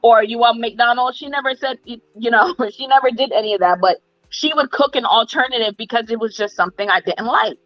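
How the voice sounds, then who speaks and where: A woman with a fairly high voice chatting casually, chiming in and agreeing. The recording is dull and muffled. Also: a little fast, no room sound. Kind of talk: casual chat.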